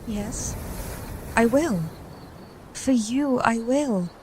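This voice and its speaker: An actress playing a frail young woman who sleepwalks, speaking softly in formal period English in a radio play. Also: a little high, very slow, a little hiss or hum. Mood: earnest. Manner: soft, earnest, period-formal speech.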